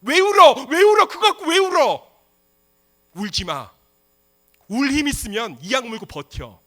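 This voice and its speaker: A man's voice: big pitch swings, measured pace, exaggerated voice. A man playing a harsh parent who scolds a crying child. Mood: scolding. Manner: shrill repeated yelling.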